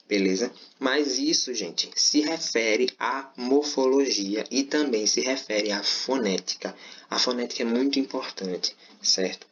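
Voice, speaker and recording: A man's voice: mid-range voice, a bit bright. A man teaching a Portuguese grammar lesson in an informal, explanatory way, often checking in with "certo?" and "beleza?". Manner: informal, repeats himself while explaining. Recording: slightly dull lo-fi recording.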